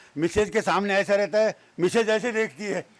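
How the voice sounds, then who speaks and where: A man's high-pitched voice at a moderate pace. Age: 60s. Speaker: advocate and former basketball player. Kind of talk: testimonial interview.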